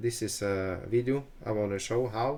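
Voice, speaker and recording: A man talks with a Norwegian accent. He has a medium pitch. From Norway. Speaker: fly tying video creator. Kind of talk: tutorial.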